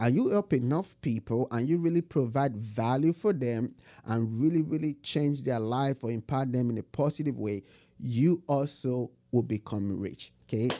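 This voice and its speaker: Against a quiet background, a man with a Nigerian accent speaks in a dark, mellow tone with ordinary pitch variation. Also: medium pitch for a man, moderate pace. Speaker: podcast host and entrepreneur. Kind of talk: casual chat.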